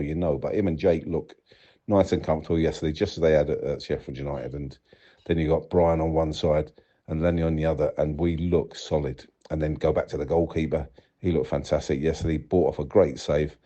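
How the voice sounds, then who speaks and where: A man's voice: very deep voice, dark tone. A man giving casual football match reaction as a fan, talking conversationally and peppering it with "you know". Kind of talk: casual spoken match analysis. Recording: dull, lo-fi voicemail recording.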